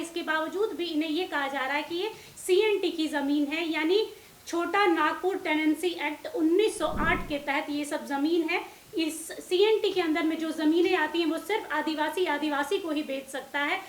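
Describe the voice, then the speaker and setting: High-voiced earnest woman news anchor. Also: normal speed, echoey room. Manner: earnest, explains at length with frequent "hmm" acknowledgements. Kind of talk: studio news discussion.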